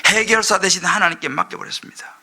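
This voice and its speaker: Impassioned high, bright-voiced preacher man. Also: fast, creaky. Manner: impassioned preaching that swings from loud outbursts to hushed asides. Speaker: senior pastor. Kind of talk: sermon.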